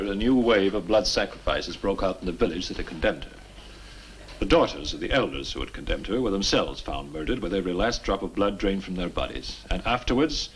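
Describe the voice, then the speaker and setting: An actor playing a grave, solemn history professor obsessed with witchcraft in a 1960 horror film, speaking formally and deliberately. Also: deep voice. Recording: noisy old film soundtrack.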